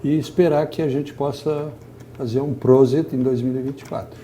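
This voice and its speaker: A man's voice: mid-range voice, steady tone, moderate pace, dark tone, slight background noise. A man speaking as an institute president guest on a studio talk show, rambling and hesitant, searching for his words.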